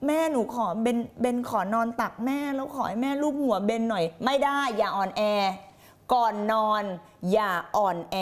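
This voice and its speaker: Blunt, foul-mouthed fiery woman life coach. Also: a little high. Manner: blunt and crude, heavy slang and swearing; fiery and intense, reads viewer comments aloud. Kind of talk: late-night motivational live stream.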